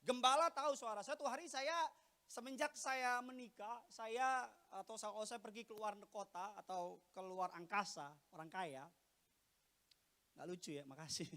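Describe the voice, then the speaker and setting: Brief: middle-aged male pastor, high bright voice, animated and joking sermon. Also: normal speed. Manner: lively storytelling, humorous, mimics voices.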